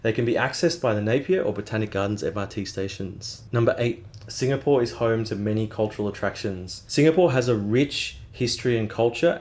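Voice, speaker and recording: A man narrating travel tips for a vlog in a clear, upbeat, measured way. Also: mid-range voice, a little mellow. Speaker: travel vlogger.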